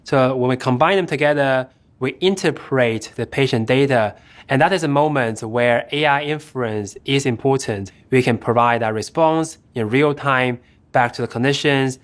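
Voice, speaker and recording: A man's voice: medium pitch, moderate pace. A man speaking as a head of AI in a corporate promo interview, explaining things methodically. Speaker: head of AI at a tech company.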